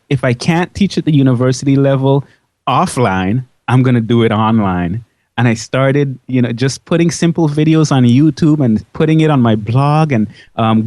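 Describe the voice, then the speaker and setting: Male interview guest from a Dutch Caribbean island, Dutch-schooled, enthusiastic conversational storyteller, mid-pitched, dry close sound. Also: darkish tone, no room sound. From Dutch side of a Caribbean island. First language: Dutch-schooled, fluent English. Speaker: interview guest, biology educator.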